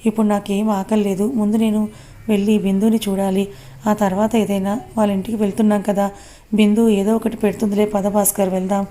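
A woman's voice: medium pitch, flat delivery, fairly quick, mellow, natural voice. A woman voicing a lovesick young man who insists and defends the girl he cares for.

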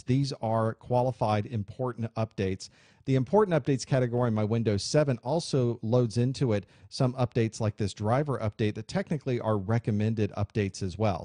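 A man teaching a computer course, explaining software settings in a clear, steady way while recording a screen tutorial. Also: on the low side, no room sound. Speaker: IT instructor.

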